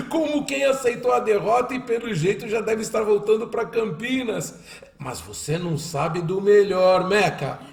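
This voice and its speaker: A man with a Brazilian accent acting in a radio drama as an excitable, proud small-town father with a folksy, exclamatory manner. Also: high-pitched, unhurried, creaky. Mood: jubilant, proud. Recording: echoey, distant from microphone.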